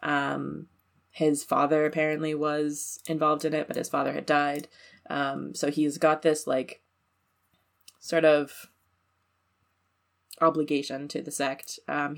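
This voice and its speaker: Low gravelly woman chatting at a game table. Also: little pitch movement, measured pace. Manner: chatty, rambling, laughs often, swears. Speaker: player. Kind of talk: casual tabletop game chat.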